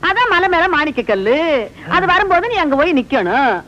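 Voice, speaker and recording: A woman's voice: high-pitched, sing-song, fairly quick, bright, forceful tone, heavily acted. An older actress playing a playful grandmother in a film comedy, teasing and scolding in a sing-song lilt, heard on a dull old film soundtrack.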